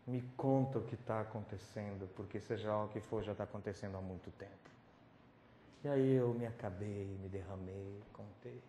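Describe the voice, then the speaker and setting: A man's voice: on the low side, moderate pace. Male preacher, dramatic testimony style, swings from whisper to cry, echoey hall, faint hiss. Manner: dramatic storytelling, swinging from whispers to loud pleading. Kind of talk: testimony sermon. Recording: roomy hall recording with faint noise.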